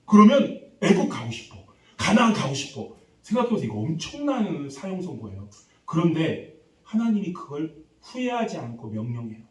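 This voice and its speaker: A man preaching a revival sermon as a pastor, lively and acting out the people he quotes while quizzing the congregation. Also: on the high side, normal speed. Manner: animated, acts out quoted voices, quizzes congregation. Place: church sanctuary. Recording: echoey church hall, distant mic.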